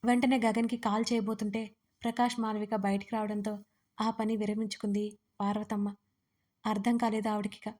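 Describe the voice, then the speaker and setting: A woman narrating a romance audio story from a script with a steady, even reading. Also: medium pitch, brisk.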